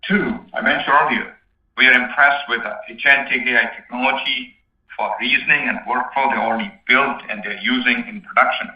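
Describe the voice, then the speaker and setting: Male company executive, mid-pitched, spontaneous point-by-point earnings-call answers, sounds off-mic in a roomy space. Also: steady tone, fairly quick. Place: conference call. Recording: roomy, distant, dull conference-call audio.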